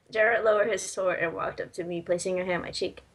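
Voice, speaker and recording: A woman's voice: medium pitch, moderate pace, fairly bright tone. Giggly woman reading a story aloud. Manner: giggly, teasing. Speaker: story reader. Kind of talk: casual read-aloud of amateur fan fiction with joking asides.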